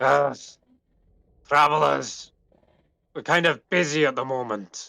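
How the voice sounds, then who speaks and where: Putting on a character voice, a man bellows in a raspy, medium-pitched tone at a fairly slow pace. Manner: bellowing.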